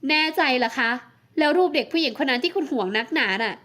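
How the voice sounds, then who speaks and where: A woman's voice: high voice, lively intonation, fast, fairly bright tone. A woman reading a romance audiobook, voicing a jealous young woman who pleads through tears. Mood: bitter. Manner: emotional, tearful pleading. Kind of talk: audiobook romance novel acting.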